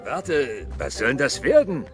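A man voicing a proud, stubborn mammoth father, gruff and dryly sarcastic, in a film audio play. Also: medium pitch, wildly swooping pitch, measured pace, over music. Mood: grumpy.

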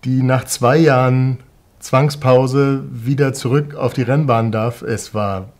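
A man's voice: mid-range voice, fairly even intonation, slow pace, darkish tone. Enthusiastic man addressing fans. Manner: enthusiastic, emotional, grasping for words. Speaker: band musician. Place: indoor backstage room.

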